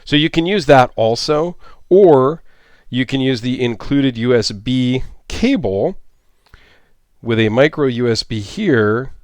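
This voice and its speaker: A middle-aged man talks through a gear review in a friendly, rambling way, full of fillers and restarts. His pitch is average for a man. The sound is dry and close, with no room echo. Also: animated, slow, a little mellow. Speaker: YouTube reviewer. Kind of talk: casual product review.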